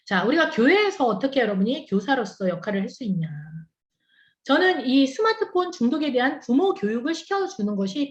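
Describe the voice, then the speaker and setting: A woman professor lectures to a hall of church teachers in a high voice that swings widely in pitch. She keeps it conversational and throws rhetorical questions at the audience. The sound is roomy and a little dull, caught in a large echoing hall. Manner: animated, acts out parent and teen dialogues.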